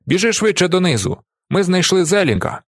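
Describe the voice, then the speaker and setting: A man voicing a brash, hulking former soldier who talks loud, bossy and mock-polite. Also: high voice, very animated, a little fast, breathy edge, dry recording, pitched above the performer's own voice, exaggerated voice. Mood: shouting. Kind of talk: audiobook character voice.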